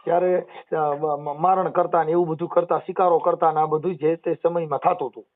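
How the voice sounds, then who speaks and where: A man explains old verses and history at length, now and then chanting couplets in a slow, drawn-out way. His voice sits high for a man. The sound is thin and tinny, like a recorded phone call. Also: steady tone. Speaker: social media personality taking calls.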